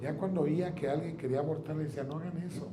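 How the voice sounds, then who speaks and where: A man's voice: fairly high pitch, fairly even intonation, rapid-fire, music in the background, close to an everyday voice. A man quoting his worried, tearful mother in an urgent, pleading way during a talk, in a roomy hall. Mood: anxious.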